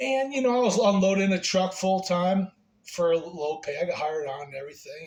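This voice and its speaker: The speaker has an Upper Midwest accent and keeps a moderate pace. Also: man. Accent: Upper Midwest American. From Minnesota, St. Cloud. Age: 30s. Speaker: vlogger. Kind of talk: casual monologue. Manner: halting.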